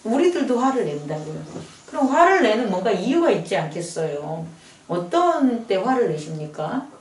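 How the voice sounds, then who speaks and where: A woman's voice: mid-range voice, big pitch swings, normal speed, echoey room, recorded from a distance. A woman pastor preaching a sermon in a conversational way, often asking the congregation questions. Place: church sanctuary.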